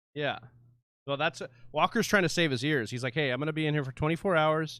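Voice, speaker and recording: Loud and very fast, a man speaks in a fairly high pitch with a bright, sharp tone and ordinary pitch variation. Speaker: fantasy football podcast host. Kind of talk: casual chat. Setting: live stream.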